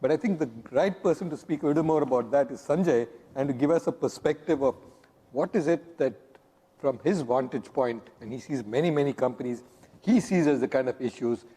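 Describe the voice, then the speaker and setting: Hoarse man moderating. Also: medium pitch, fairly quick, dark tone. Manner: courteous, introducing speakers. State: hoarse, losing his voice. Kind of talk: panel discussion. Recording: long hall reverb.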